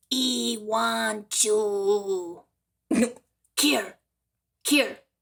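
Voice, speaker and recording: The voice is a put-on character voice with a fairly high pitch. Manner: creepy, eerie.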